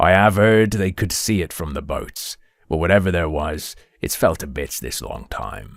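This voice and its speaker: In a put-on character voice with a Suffolk accent, a man growls out raspy, very deep, low tones at a moderate pace with lively intonation. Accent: Suffolk rural dialect. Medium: read story. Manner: easygoing, folksy.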